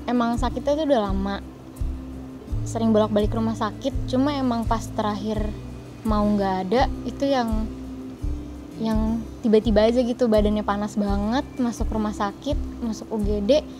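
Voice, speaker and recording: A woman's voice: fairly high pitch, fairly even intonation, normal speed, long pauses. A woman, a student, recounting events in a candid, conversational way. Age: 20s. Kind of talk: casual conversation. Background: music.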